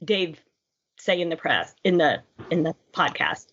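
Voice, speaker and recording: A woman's voice: deep voice, very animated, unhurried, fairly bright tone. A woman co-hosting a casual podcast chat, with a nasal, stuffed-up voice; she hedges what she reports. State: congested from a cold. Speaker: podcast co-host. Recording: dull lo-fi podcast audio.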